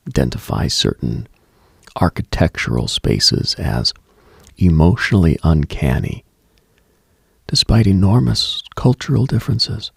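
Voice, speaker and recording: A man hosting a late-night mystical radio monologue in a hushed, husky, gravelly voice, deliberate and brooding, with pauses, close on the mic. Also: dry recording. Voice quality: husky, breathy, gravelly low voice.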